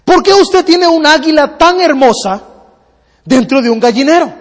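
A man's voice: extremely high pitch, animated, moderate pace. A man preacher voicing a persistent male merchant who keeps urging an eagle to fly, with coaxing, insistent calls. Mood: curious. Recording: long hall reverb.

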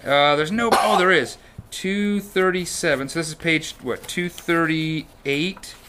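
A man's voice: a little high, slow pace, very noisy. A man co-hosting a church podcast, chatting casually and acting out storybook moments. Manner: animated, acts out storybook voices with shouts. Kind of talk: casual chat.

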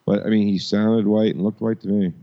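A man's voice: lowish voice, little pitch movement, fairly quick. A man co-hosting a podcast in casual chat, joking and rambling with restarts, on dull lo-fi sound. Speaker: podcast co-host.

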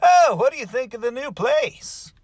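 A man voicing a vain, excitable spooky creature who hosts a comedy podcast with theatrical, jokey banter. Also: very high voice, normal speed, dry recording, exaggerated voice. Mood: campy excitement. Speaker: podcast host. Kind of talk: scripted comic banter.

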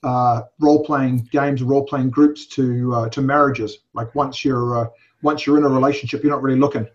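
Man, English accent with a New Zealand tinge, forties, rambling, full of "uh"s and wry asides, mid-pitched, dull lo-fi podcast sound. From England, raised in New Zealand. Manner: rambling, hesitant, many fillers, wry asides. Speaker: convention organizer, guest. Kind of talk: casual podcast interview.

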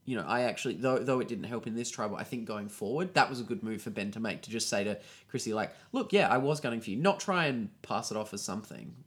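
A man co-hosting a podcast, chatting casually and recapping a reality show with lots of fillers and sudden jumps in pitch. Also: fast talker, few pauses. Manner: animated, jumps up in pitch for emphasis, many fillers. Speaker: podcast co-host.

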